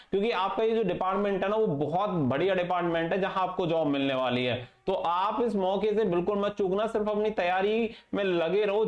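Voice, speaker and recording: A man with a high voice hosts an informal update for exam candidates. He speaks straight to his viewers and drops in English terms. The recording is slightly dull, with clear room echo. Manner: direct address, mixing in English terms. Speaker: exam-update channel host. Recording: echoey room, slightly muffled sound.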